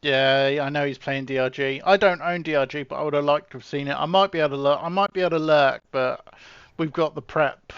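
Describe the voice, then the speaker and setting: A man's voice: on the high side, fairly quick, a bit bright, clear, resonant tone, dry recording, lo-fi sound. A man casually chatting with his live-stream audience while setting up soldiers in a game, often trailing off and restarting.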